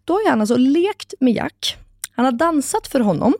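A woman, co-hosting a casual podcast and telling stories in an animated way, acting out quotes and swearing casually. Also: sits high, dry recording, clean studio sound. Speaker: podcast co-host. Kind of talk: casual chat.

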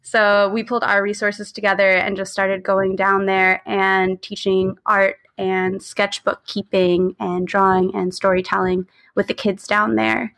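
A woman's voice: medium pitch, flat delivery, measured pace, gravelly, hardly any pauses, fairly bright tone. A woman in her thirties from Long Island with an American accent and Spanish as her first language, telling stories casually as an interview guest. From Long Island, New York, United States. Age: 30s. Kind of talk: casual conversational storytelling.

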